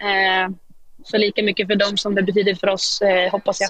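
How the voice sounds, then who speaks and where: A woman speaks fairly quickly at a medium pitch. Her intonation is monotone and flat. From Sweden, Linköping. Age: 20s. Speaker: footballer. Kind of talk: casual interview. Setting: phone call from a car.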